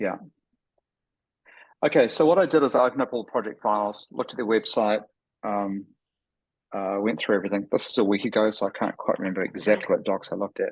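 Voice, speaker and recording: Over a quiet background, a man with a fairly low pitch speaks at a very fast pace, with ordinary pitch variation and long, frequent pauses. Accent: New Zealand. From New Zealand. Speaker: open-source working group member. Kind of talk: online work meeting. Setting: video call. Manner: halting, many fillers.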